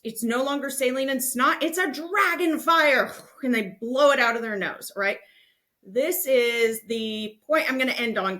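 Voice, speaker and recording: A woman's voice: on the high side, fairly bright tone. A woman hosting a podcast, explaining things to parents in a conversational, instructive and reassuring way. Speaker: podcast host.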